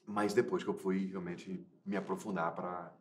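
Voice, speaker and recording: Low-voiced hesitant man in echoey room. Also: flat delivery, normal speed, a little hiss or hum. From Minas Gerais, Brazil. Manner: hesitant, many repeated fillers and restarts. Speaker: actor interviewed about his film. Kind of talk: casual interview answers.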